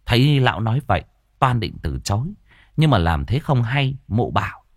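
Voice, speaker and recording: Lively male storyteller. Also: medium pitch, moderate pace, dry recording. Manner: lively, mocking. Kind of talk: comic folk tale narration. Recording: dry close voice.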